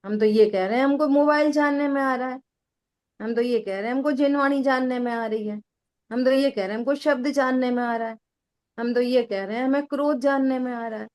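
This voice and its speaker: A woman's voice: sits high, brisk, darkish tone. Patient woman explaining with everyday examples. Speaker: spiritual teacher. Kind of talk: question-and-answer discussion.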